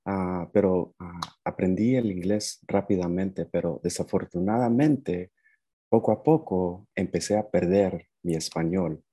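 A young man from Nicaragua, raised partly in the United States, talking casually as a podcast guest and often pausing to find his words. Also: low-pitched, warm tone, slightly rough. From Nicaragua, moved to the United States at seven. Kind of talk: casual conversational storytelling.

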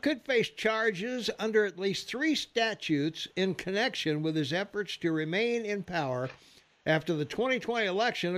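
A man's voice: sits high, fairly bright tone. A man in his sixties hosting a radio talk show, chatty and laughing often, reading headlines and phone numbers. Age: 60s.

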